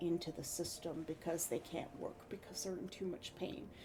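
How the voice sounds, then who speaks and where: A woman speaks in a fairly low pitch with fairly even intonation. Music plays in the background. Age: 40s. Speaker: live streamer. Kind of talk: casual live-stream chat.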